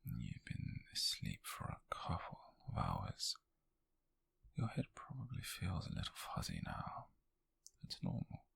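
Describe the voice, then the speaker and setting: A British man playing an obsessive, possessive coworker turned tender captor in an ASMR roleplay, speaking in a breathy, gravelly, coaxing hush. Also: very deep voice, huge pitch swings, full character voice. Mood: soothing, coaxing. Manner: slow, coaxing, hushed, intimate with pauses. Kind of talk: whispered ASMR roleplay monologue.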